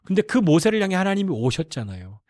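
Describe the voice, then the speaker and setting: A man's voice: high-pitched, sing-song, quick pace, a little mellow. A man preaching a sermon as pastor, acting out God's stern words in a raised voice and asking the congregation rhetorical questions.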